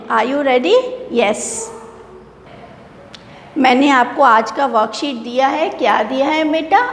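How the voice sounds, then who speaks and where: Woman schoolteacher, slow and deliberate, repeats each line, echoey room. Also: high voice. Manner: slow, spells words out syllable by syllable. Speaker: primary school Hindi teacher. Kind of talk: recorded online lesson for children. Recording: echoey roomy recording with long reverb.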